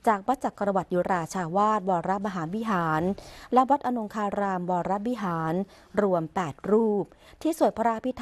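The royal court news is read by a woman whose mid-range voice carries a formal broadcast quality. As a news reader, she stays ceremonious, even and measured all the way through, matching the steady, scripted pace of an official bulletin.

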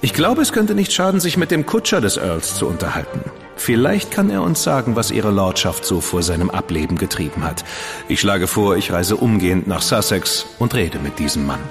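Ironic dandy gentleman, lively voice, roomy reverb. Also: fairly low pitch, moderate pace, over music. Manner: ironic, playful. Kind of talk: German audio drama acting.

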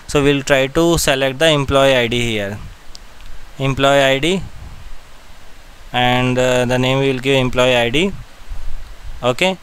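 A man with an Indian accent guides a learner through software one step at a time. His voice is smooth and clear, and he gives short, repeated instructions as he goes. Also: medium pitch, measured pace, pauses often, poor audio. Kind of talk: step-by-step screen-recording tutorial narration.

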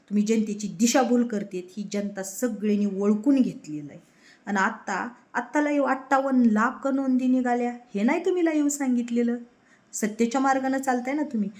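A woman's voice: medium pitch, a little mellow. A woman delivering a heated political rant to camera, firing rhetorical questions and repeating her points. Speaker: political commentator.

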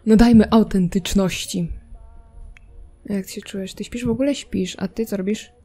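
A woman's voice: medium pitch, fairly even intonation, moderate pace, mellow, slightly rough. A woman casually commenting while playing a life simulation game, chatty and teasing, talking to her characters and their cat. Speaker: gameplay streamer.

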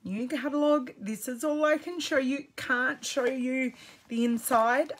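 A woman's voice: sits high, fairly even intonation, a little slow. An Australian woman with a slightly scratchy voice, chatting casually on a live stream and greeting viewers by name. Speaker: craft product demonstrator.

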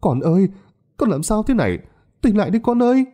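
A man's voice: high-pitched, big pitch swings, fairly quick, dark tone, pitched above the performer's own voice. A man voicing a grieving young mother who wails and pleads in tears. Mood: frantic wailing. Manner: wailing, pleading, sobbing.

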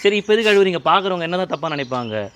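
A male TV anchor rattles off his lines at a very fast clip. He sounds flustered and exasperated and keeps pleading his way out of a staged comic scene outdoors. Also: sits high, very animated, a bit bright, a little hiss or hum. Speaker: TV anchor, interviewer. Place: outdoors on a road.

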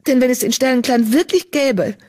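A woman's voice: moderate pace, a little mellow. A woman voicing an anxious, guilt-ridden young female medicine cat in an audiobook, pleading and distressed. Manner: pleading, distressed, voice raised high. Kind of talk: audiobook character voice.

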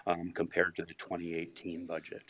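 A middle-aged man presenting a county department budget at a public meeting, polite and measured, speaking into a podium mic. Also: low-pitched, monotone, background noise. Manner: measured, polite, uses fillers. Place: county commission meeting room.

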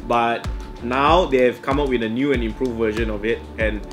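A young man with a Malaysian English accent hosts a relaxed sneaker review, wandering through facts and fixing his own slips. His voice sits at an ordinary male pitch. Loud music runs behind him in an indoor office room. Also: moderate pace. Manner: rambling, self-correcting. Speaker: sneaker show host. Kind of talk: casual product review chat. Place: indoor office studio with shelves.

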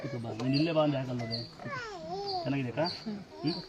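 A man blessing devotees at a temple shrine, talking to them in a brisk, coaxing, teasing way. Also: mid-range voice, very noisy. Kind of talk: devotional conversation with visitors. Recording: loud crowd chatter behind.

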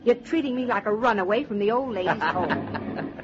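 An actress playing a sardonic middle-aged mother in 1940s radio acting, dry and teasing, husky voice. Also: medium pitch, animated, normal speed, background noise, natural voice. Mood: wry. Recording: dull old radio transcription.

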